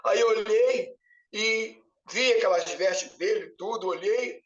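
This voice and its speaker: A pastor gives an emotional testimony in church, weeping and pleading as he retells a vision. His voice sits high and is a bit bright, and he speaks at a slow pace. The sound is muffled, captured from a distance in an echoey room.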